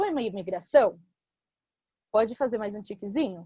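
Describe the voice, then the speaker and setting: A woman is speaking. The sound is dry and close with no echo. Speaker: history lecturer. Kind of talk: online lecture.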